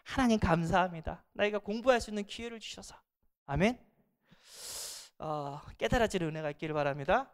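A pastor preaching a sermon, often asking the congregation rhetorical questions and swinging between loud emphasis and hushed asides. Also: mid-range voice, a little fast, clear, resonant tone.

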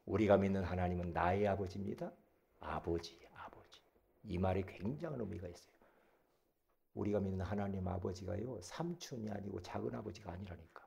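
A male pastor preaching a sermon, leading the congregation to repeat after him and swinging from quiet asides to loud exclamations. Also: deep voice, a little fast, creaky, a little hiss or hum. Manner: lively, swings between soft asides and shouted exclamations; leads the congregation in call-and-response.

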